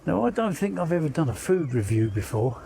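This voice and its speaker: A man's voice: a little high, sing-song, brisk, gravelly, dark tone. A man chatting to camera outdoors with dry, self-deprecating humour. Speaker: angler vlogger. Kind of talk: casual chat to camera.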